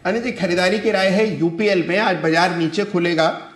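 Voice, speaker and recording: A man's voice: sits high, normal speed. A man giving stock calls on a live business show, upbeat and addressing the host by name again and again. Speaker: market analyst. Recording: roomy echo.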